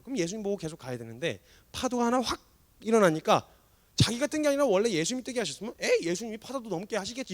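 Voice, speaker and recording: A male missionary preacher speaking to a youth service in a high, lively voice. He talks fast and playfully, his pitch swinging widely as he jumps into the characters' lines. The effect is energetic, comic storytelling.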